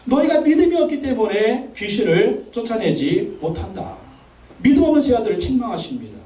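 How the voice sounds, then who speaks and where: Male pastor, high voice, forceful preaching with repeated calls, echoey sanctuary picked up from a distance. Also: sing-song, brisk. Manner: emphatic, commanding declarations; repeats phrases for emphasis. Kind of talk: Sunday sermon. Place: large church sanctuary.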